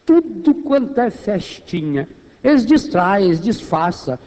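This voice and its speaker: High-voiced Brazilian preacher in an echoing hall. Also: male voice, sing-song, measured pace, mellow, dull audio. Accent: Brazilian Portuguese. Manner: emphatic, rhetorical questions, repeats phrases for weight. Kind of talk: charismatic sermon to a congregation. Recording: echoey hall, long reverberation.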